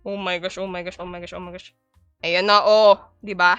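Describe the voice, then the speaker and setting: A woman's voice: fairly low pitch, flat delivery, normal speed, fairly bright tone, clear, resonant tone, dry recording, muffled recording, faint music behind. Playful, giggly young woman streamer. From Philippines. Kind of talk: casual live-stream chat while cooking.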